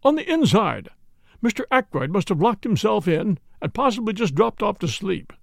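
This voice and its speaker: Storybook butler, played by a male reader: high, lilting, formal, deferential, easily scandalized, dry close recording. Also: sing-song, normal speed, creaky, no room sound, exaggerated voice. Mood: deferential, proper. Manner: formal, servile, punctuated with "sir". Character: impassive male butler, deferential, shocked and proper. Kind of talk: audiobook character dialogue.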